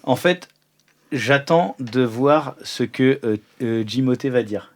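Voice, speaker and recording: A man's voice: mid-range voice, takes it slowly. A man playing an improvised tabletop role-playing game, describing his actions in a casual, hesitant way. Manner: hesitant, informal.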